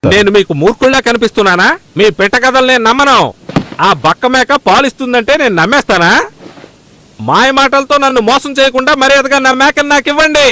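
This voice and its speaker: A man's voice: very high voice, fast talker, pushed and bright, slight background noise. A man voicing an irritable, suspicious, blustering goat owner in a cartoon dub. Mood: angry. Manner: blustering, demanding. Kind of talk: Telugu cartoon dubbing.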